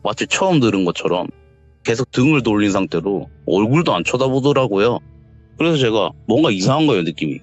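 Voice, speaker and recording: Low-voiced man telling a lively ghost story. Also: brisk. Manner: animated, acts out the voices in quoted dialogue. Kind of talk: casual spoken storytelling. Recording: dull lo-fi audio with faint background music.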